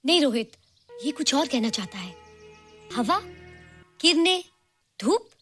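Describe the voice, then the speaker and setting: An actress playing a calm, thoughtful young woman who explains things patiently in a film scene. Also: high-pitched, unhurried, exaggerated voice. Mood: explaining. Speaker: friend. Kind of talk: Bollywood film acting. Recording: film soundtrack with loud music. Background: film score music.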